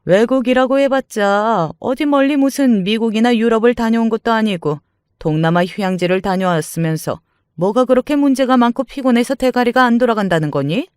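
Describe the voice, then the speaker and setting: A man voicing a domineering, scornful older mother-in-law, scolding in a shrill, contemptuous way. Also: fairly quick, smooth, dry recording, clean studio sound. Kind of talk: dramatized story reading.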